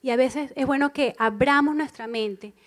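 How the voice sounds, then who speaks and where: A woman preaching a sermon to a church congregation, emphatic and expressive, repeating key phrases and acting out inner voices. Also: high-pitched, normal speed. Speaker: church speaker.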